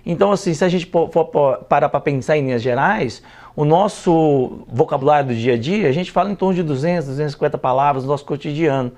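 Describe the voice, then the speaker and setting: Guy talking fast about his english school, slightly high voice, keeps repeating words. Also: a little mellow. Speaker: language school founder, guest. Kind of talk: studio talk show interview. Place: TV studio.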